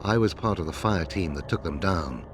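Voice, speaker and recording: An actor playing a sombre, resolute veteran commander in a game, grave and matter-of-fact, recorded amid noise. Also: male voice, sits low, lively intonation, normal speed. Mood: grim recollection. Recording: loud ambient engine-like background noise.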